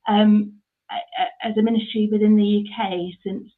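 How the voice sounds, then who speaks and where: A woman's voice: mid-range voice, flat delivery, normal speed. A woman, answering interview questions about her charity work with many ums and restarts. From mid Devon, England. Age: 30s. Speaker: charity ministry worker. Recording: tinny phone-like line.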